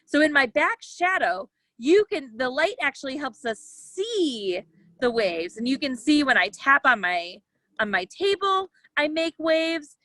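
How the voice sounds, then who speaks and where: A woman's voice: high voice, big pitch swings, a little slow, sharp tone, no room sound. A woman science educator presenting a lesson for young children, explaining things in simple terms as she reads and demonstrates.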